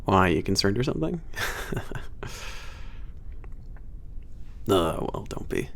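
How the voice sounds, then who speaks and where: A man's voice: sits low, sing-song, a little fast, vocal fry, fairly bright tone, full character voice. A man playing a casual werewolf maintenance trainer with some attitude, teasing and a little hesitant, in an ASMR audio drama. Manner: hesitant, teasing, sighing and chuckling casual talk.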